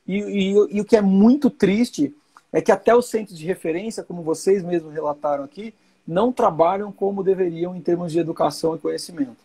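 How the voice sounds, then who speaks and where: Guy in his 40s, kinda husky, high voice, reassuring, keeps repeating stuff. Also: a little fast, mellow. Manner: reassuring, explanatory, repeats key points. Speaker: host. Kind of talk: casual live chat.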